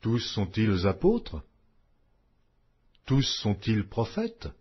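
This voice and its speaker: A man reading scripture aloud as a scripted audiobook, solemn and measured, with declamatory phrasing. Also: fairly low pitch, huge pitch swings, slightly rough. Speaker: audiobook Bible reader. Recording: dull lo-fi audio.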